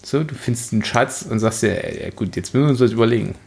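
A man's voice: mid-range voice, expressive, quick pace, gravelly, darkish tone. A man co-hosting a casual book podcast, arguing his points in blunt, slangy language. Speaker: podcast co-host.

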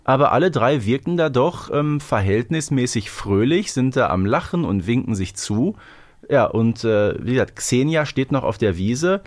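A man's voice: medium pitch, animated, normal speed, dry recording. A man, talking conversationally as a podcast co-host reviewing audio dramas.

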